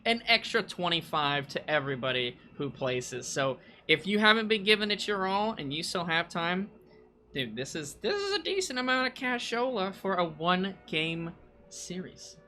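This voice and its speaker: A man casting a strategy game tournament with excitable, playfully exasperated banter. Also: high voice, moderate pace, slight background noise. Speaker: esports caster. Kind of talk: live game commentary. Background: faint music.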